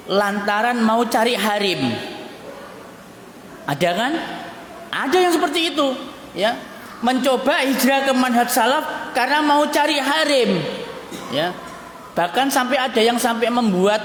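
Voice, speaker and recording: A man's voice: a little high, fairly bright tone. A man giving a mosque sermon. He tags nearly every phrase with a questioning "ya" and slips into phrases. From Yogyakarta, Indonesia. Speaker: preacher. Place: mosque hall. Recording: echoey mosque hall with long reverb, faint hiss.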